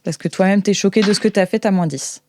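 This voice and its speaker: A woman with a French accent improvising narration as game master of a tabletop role-playing game, thinking aloud in halting phrases. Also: mid-range voice, dark tone, a little hiss or hum. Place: studio.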